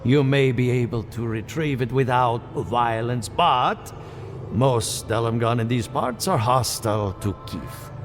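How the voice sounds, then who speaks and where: An actor playing a courteous, preoccupied researcher in a fantasy game, speaking formally and articulately. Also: male voice, medium pitch, lightly acted. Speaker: game character. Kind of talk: scripted video game dialogue. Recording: game music behind the voice.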